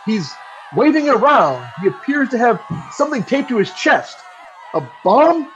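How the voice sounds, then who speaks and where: A man's voice: extremely high pitch, big pitch swings, moderate pace, a bit bright, highs cut off, soft background music, heavily acted. A man playing a flustered, melodramatic 1960s New York radio host with theatrical announcer delivery in an audio drama. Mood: excited, alarmed.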